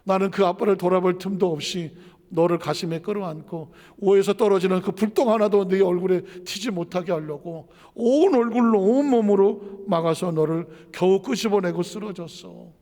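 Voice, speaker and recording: Soft sad mother as a male pastor puts her on, quiet and a little gravelly, long echo. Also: sits high, fairly even intonation, moderate pace. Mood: sorrowful. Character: scarred, loving mother, gentle and sorrowful.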